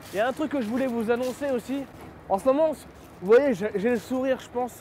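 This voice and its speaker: At an extremely high pitch, a man talks fairly quickly with big swings in loudness. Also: ordinary pitch variation. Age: 20s. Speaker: fitness YouTuber. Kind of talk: vlog. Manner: casual.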